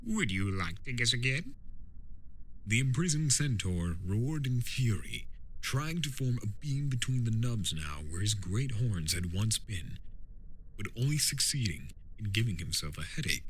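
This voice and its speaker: A man's voice: lowish voice, animated, measured pace, husky, low-quality recording. A man giving a dramatic narration of a fantasy story.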